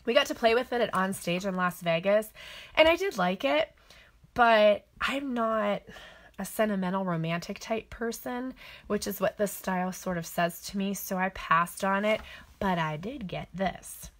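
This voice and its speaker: A middle-aged woman demonstrates papercraft in a casual catalog walk-through, chatty and gushing as she thinks aloud while showing her cards. Her voice is medium-pitched at normal speed.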